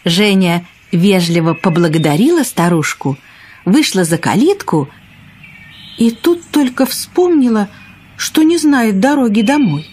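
A woman narrating a children's fairy tale from a script, expressive and husky. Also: mid-range voice, a little slow. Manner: expressive storytelling.

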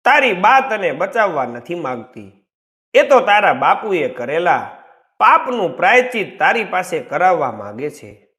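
A man's voice: sits high, big pitch swings, unhurried, sharp tone, full character voice. A man narrating a story voices an eerie, menacing old woman with white eyes. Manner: taunting, ominous warning.

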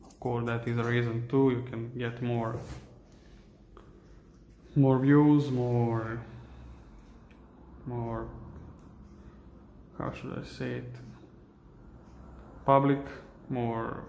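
A young man with a Serbian accent, a dog groomer chatting casually while he works, halting and searching for English words. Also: medium pitch, little pitch movement, vocal fry, darkish tone, slight background noise. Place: indoor grooming room. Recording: echoey room.

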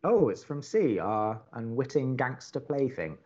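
An earnest young man co-hosting college radio in an audio drama. His delivery swings expressively in pitch as he placates and hesitates. The recording is a little muffled. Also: very animated, measured pace, over loud music. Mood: reading letters. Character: soothing young male college radio co-host, earnest and conciliatory.

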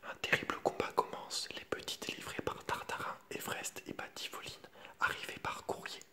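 It's an ASMR picture-book reading: a man goes through a children's story at a moderate pace in a quiet, unvoiced library whisper, tossing in casual asides for his audience.

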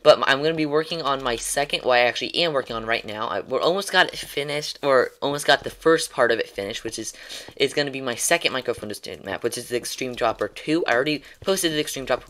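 A man's voice: medium pitch, animated, quick pace, a bit bright. A man streaming games, signing off his stream in casual, rambling chat, tongue-tied, with many restarts and ums and small chuckles. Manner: chuckles while talking. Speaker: gaming streamer. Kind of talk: casual livestream sign-off chat.

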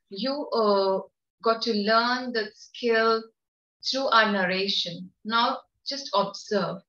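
A middle-aged woman with an Indian English accent gives a formal law course lecture from an office, speaking deliberately with hesitant fillers over a shared webcam mic on a video call. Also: mid-range voice, pushed and bright. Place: office, seated at a desk beside a colleague. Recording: roomy, dull video-call audio.

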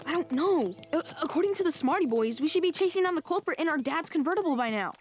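A woman's voice: sits high, expressive, quick pace, faint music behind. An earnest, dramatic young boy. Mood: musing. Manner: earnest, dramatic play-acting. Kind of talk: cartoon voice acting.

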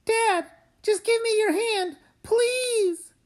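Woman playing an anxious, high-voiced young girl. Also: very slow, heavily acted. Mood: frightened pleading. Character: young daughter, earnest and anxious. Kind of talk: dramatic comic read-aloud.

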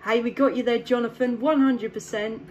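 A woman's voice: a little high, fairly even intonation, moderate pace, dull audio, very noisy. An English woman from the south east chatting over CB radio, friendly and upbeat, handing back with "back to you". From south east England. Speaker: CB radio operator. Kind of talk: casual radio chat.

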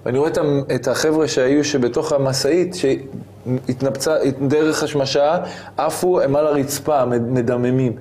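A man as an interview guest, telling a personal story in an animated way and acting out the scenes he describes. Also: medium pitch.

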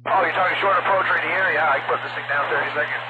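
A man's voice: on the high side, steady tone, racing, phone-quality sound. A man speaking in air traffic exchanges over radio. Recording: noisy aviation radio.

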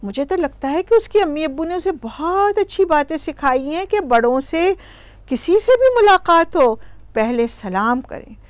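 A woman explaining a poem to children in an expressive storytelling manner, speaking directly to her young listeners. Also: high voice, no room sound. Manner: animated, warm-toned teaching, addresses children directly.

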